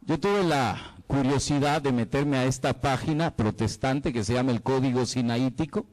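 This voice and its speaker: A man's voice: medium pitch, normal speed, a little mellow, poor audio. A man from El Salvador, giving a dramatic, playful Catholic apologetics talk and quizzing his listeners.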